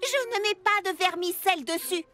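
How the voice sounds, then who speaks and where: A woman voicing a plucky, outspoken young girl baker in a children's cartoon dub, chatty and expressive. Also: extremely high pitch, moderate pace. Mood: indignant. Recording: music behind the voice.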